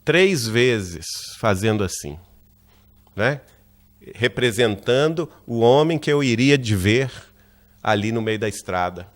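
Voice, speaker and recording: A man from Minas Gerais with a Brazilian Portuguese accent, giving a lecture at a spiritist center. He tells a personal story in a lively way and acts out the lines of the people in it. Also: medium pitch, slow. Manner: lively narrator who acts out quoted dialogue, often asks "né?".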